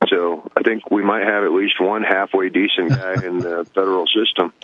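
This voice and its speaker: Deep-voiced man, halting, on the phone. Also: steady tone, crowd noise. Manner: halting, full of ums. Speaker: caller. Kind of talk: phone-in chat. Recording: dull dry phone line.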